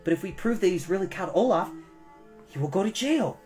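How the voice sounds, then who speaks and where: A woman voicing an earnest boy in a children's storybook, reasoning in a deliberate, persuasive way. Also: on the low side, expressive, dark tone, faint music behind, pitched above the performer's own voice, close to an everyday voice. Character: earnest, reasoning boy, bookish middle brother.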